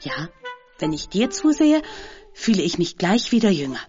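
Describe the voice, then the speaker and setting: A woman reading as a gentle, polite old man. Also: lowish voice, sing-song, lo-fi sound, over music. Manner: courteous, slow and reflective.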